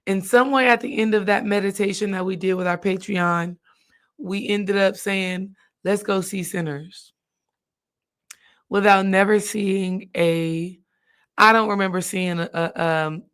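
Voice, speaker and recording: Hoarse woman chatting on a live stream. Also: mid-range voice. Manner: chatty, addresses viewers directly. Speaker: spiritual healing coach. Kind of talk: casual live-stream talk.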